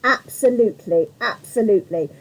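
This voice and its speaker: A woman with a slightly croaky voice hosting a live craft tutorial, chatting in a rambling way and greeting viewers by name. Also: mid-range voice, moderate pace, rough recording.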